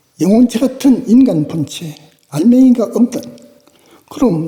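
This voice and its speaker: The speaker is a man. His voice rises and falls across a very wide pitch range. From South Korea. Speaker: Buddhist monk giving a sermon. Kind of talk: Buddhist Dharma talk sermon.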